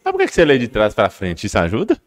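A man's voice: on the low side, huge pitch swings, rapid-fire. A young man with a Brazilian Portuguese accent, co-hosting a casual podcast chat, joking and playful. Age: young adult. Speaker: podcast co-host.

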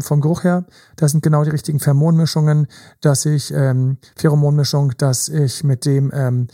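A male relationship coach speaks in an emphatic, repetitive way, piling up vivid images in casual conversation. His voice is gravelly and husky with a dark, mellow tone, pitched a bit above most men. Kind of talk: casual podcast talk.

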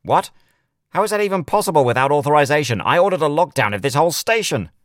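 A man's voice: lowish voice, huge pitch swings, moderate pace, a bit bright, dry recording, studio quality, exaggerated voice. A man voicing a ruthless police sheriff who barks curt orders. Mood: commanding. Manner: barking orders.

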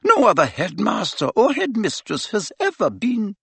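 A man voicing a stern older woman headmistress who speaks in a brisk, clipped and authoritative way. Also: high-pitched, huge pitch swings, gravelly, sharp tone, breathy edge, dry recording, pitched above the performer's own voice, full character voice.

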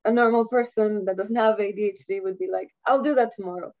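This guest, a university student from Costa Rica, talks fast in a steady, medium-pitched voice during a casual interview chat. Chatty and quick to laugh, she often trails off mid-sentence, and the audio is muffled and lo-fi.

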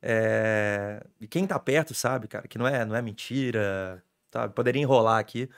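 A young adult man, a sports reporter telling stories in an excitable, animated way on a casual podcast. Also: fairly low pitch, normal speed, vocal fry.

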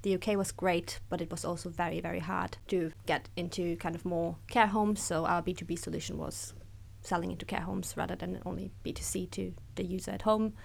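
A woman's voice: on the low side, steady tone, creaky. A woman in her thirties with an Austrian accent, chatting openly and upbeat as a guest on an interview podcast. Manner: chatty and upbeat, quick asides with laughs. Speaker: guest, accelerator program director. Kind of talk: casual interview talk.

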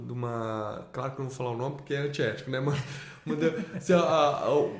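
A man's voice: mid-range voice, a little fast, reverberant. A man with a Brazilian accent, a homeschooling father talking emphatically in a casual conversation, often repeating himself and adding tag questions. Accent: Brazilian Portuguese.

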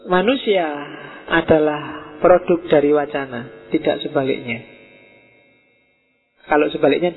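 A man's voice: fairly high pitch, breathy edge. Man lecturing philosophy in a reverberant hall. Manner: unhurried, conversational, slips into Javanese words. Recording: tinny phone-like audio in a reverberant hall.

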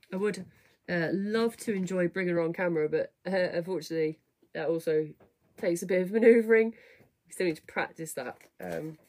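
Croaky woman chatting on a livestream. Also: on the low side, a little mellow. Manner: chatty, rambling, self-deprecating, many fillers. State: croaky, rough voice. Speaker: fitness studio livestream host. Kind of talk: casual livestream chat greeting viewers. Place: home, at a desk. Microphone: webcam or computer mic at a desk.

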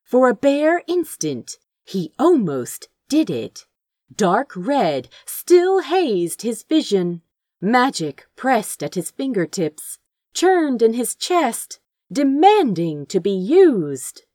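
A woman reading fantasy fiction aloud with dramatic, expressive and deliberate narration. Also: on the high side, dry recording, studio quality. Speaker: amateur audiobook reader.

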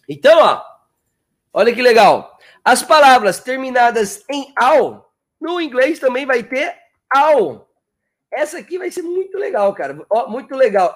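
A man teaching English on a live stream, chatty and coaxing, repeating words slowly to model pronunciation and calling out viewers' names. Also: high voice.

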